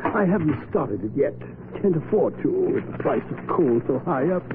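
An actor playing a shifty, obsequious old shopkeeper with a shaky delivery in a 1940s radio drama. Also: male voice, on the high side, sing-song, moderate pace, narrow, tinny audio. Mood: fawning, servile. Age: older. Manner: fawning, apologetic. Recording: noisy, phone-thin vintage radio recording.

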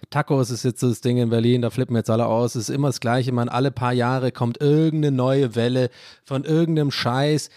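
A man's voice: mid-range voice, darkish tone, dry recording, studio quality. A man hosting a casual solo podcast from a hotel room, recording into his phone and rambling through tangents while poking fun at himself. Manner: rambling, self-mocking, jumps between tangents. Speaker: podcast host. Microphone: phone microphone.

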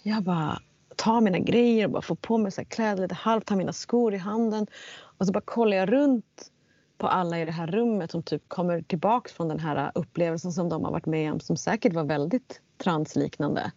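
Woman, low gravelly storyteller, animated, dry slightly dull sound. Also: dry recording. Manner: animated, acts out quotes in English. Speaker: guest telling a personal story. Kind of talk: casual storytelling in conversation.

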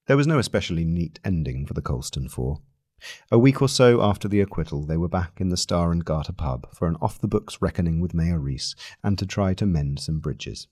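A man reading a long-form article aloud as scripted narration, with measured, deliberate phrasing. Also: deep voice, darkish tone, no echo, clean studio sound.

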